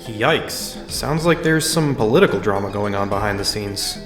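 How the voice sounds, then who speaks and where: Guy playing an inquisitive tourist narrating an audio drama, lively pitch, roomy reverb on the voice. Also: normal speed, faint music behind. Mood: uneasy. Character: curious, observant, tactful adult male visitor. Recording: very echoey room, reverberant.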